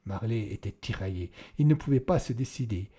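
A man narrating an audiobook in a calm, measured storytelling manner. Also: lowish voice, slightly rough.

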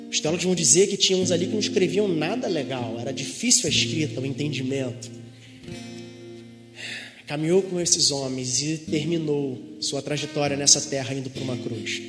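A man with a Brazilian accent preaching a sermon in a lively, joking way, digressing with asides. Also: a little high. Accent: Brazilian Portuguese. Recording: reverberant hall with music behind.

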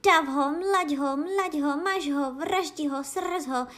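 Storybook guard dog, male, high and excitable, eager to attack, barked repetitive phrases; female reader performs. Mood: ferocious, shouting. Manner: barking out short repeated exclamations. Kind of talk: children's fairy tale reading.

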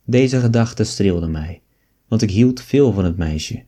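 A man reading an old novel aloud as an audiobook, in a measured storytelling way. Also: fairly low pitch, expressive, warm tone. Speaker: audiobook reader.

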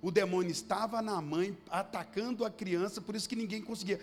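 A man's voice: high voice, a little fast. A man, a pastor preaching a sermon and telling a story with passion, acting out the people he quotes. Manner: impassioned, acts out quoted voices. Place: church hall. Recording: long hall reverb with faint music.

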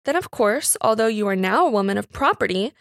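A woman voicing a genteel Victorian gentleman, formal and gently condescending, in a story reading. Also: mid-range voice, lively intonation, fairly quick, creaky, dry recording, clean studio sound. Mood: reasoning, advising. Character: genteel, amused Victorian master of the house.

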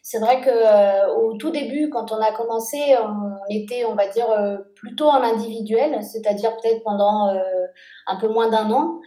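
A woman, a guest UX researcher, talking casually in an interview, measured and with frequent fillers. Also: fairly high pitch, dark tone. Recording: echoey room.

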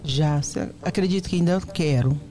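A woman's voice: low voice, normal speed, mellow, soft background music. A middle-aged woman with a Brazilian accent, a nursing technician answering interview questions candidly in casual chat. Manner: candid, telling stories in short plain phrases.

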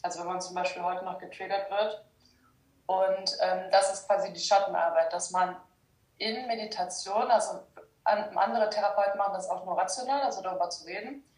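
A young adult woman from Germany explains her work in a relaxed interview. She talks hesitantly, with many fillers and restarts. She is heard from a distance, in an echoey room. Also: mid-range voice, a little fast. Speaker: guest, shadow work practitioner. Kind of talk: casual interview talk. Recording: roomy, distant sound.

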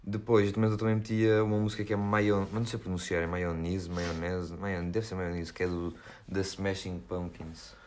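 Deep-voiced young Portuguese man rambling. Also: monotone, a little fast, hardly any pauses, a little mellow, slight background noise. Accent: European Portuguese. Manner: slangy, rambling storytelling with fillers. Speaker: podcast co-host. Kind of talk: casual chat.

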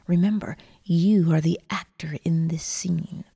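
Slow, breathy woman narrating sleep meditation. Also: on the low side, steady tone. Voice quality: soft, breathy, often near a whisper. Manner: measured, instructional, with lingering pauses. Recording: long reverberant echo.

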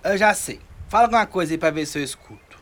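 A man's voice: on the high side, quick pace. An actor with a rural northern Minas Gerais accent playing a folksy, superstitious male riverboat guide in an audio drama, talking colloquially. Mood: casual. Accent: Brazilian, rural northern Minas Gerais. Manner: colloquial, animated storyteller.

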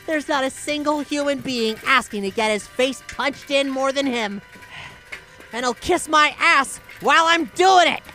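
A woman's voice: high voice, measured pace, sharp tone, soft background music. A woman playing a cocky young bully boss with a swaggering, slangy drawl in an audio drama. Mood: gleeful menace. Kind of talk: cinematic audio drama roleplay.

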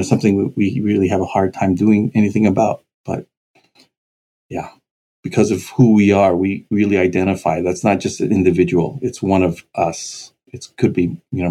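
A man, a pastor, speaking in a heartfelt, sober way with halting phrases in a conversation. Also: low-pitched, warm tone, husky. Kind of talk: conversation on a podcast.

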